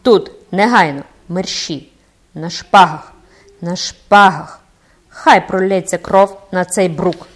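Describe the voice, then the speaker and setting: A woman plays a boastful young army captain, swaggering and quick to anger. He talks loudly and brashly, with a mocking edge. It is a storybook soldier, full of bravado. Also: mid-range voice, lightly acted. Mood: furious. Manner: brash, hot-tempered and mocking.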